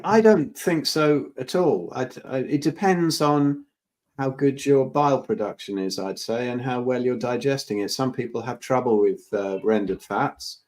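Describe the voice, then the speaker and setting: A man co-hosting a live health Q&A on a call, talking quickly with stammering restarts. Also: mid-range voice, a little mellow. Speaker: co-host on health Q&A. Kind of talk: live Q&A chat.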